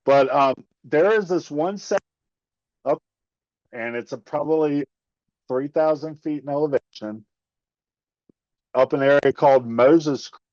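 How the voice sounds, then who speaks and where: A man's voice: fairly high pitch, darkish tone, no room sound. Man breaking up on a bad call. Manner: halting, with many fillers and restarts. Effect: voice cutting out over a bad call connection. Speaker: seminar presenter. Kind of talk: informal nature talk on a video call. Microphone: Bluetooth earbuds on a video call. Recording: dull, dry, choppy call audio.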